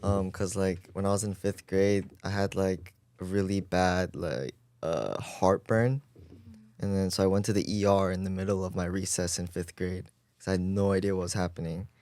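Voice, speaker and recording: A twenty-year-old man talks casually as a podcast guest, his low voice wandering through long rambling sentences full of "like". The sound is close and dry, with no room around it. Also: fairly even intonation, moderate pace, darkish tone, no room sound. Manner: rambling, lots of "like". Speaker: guest volunteer.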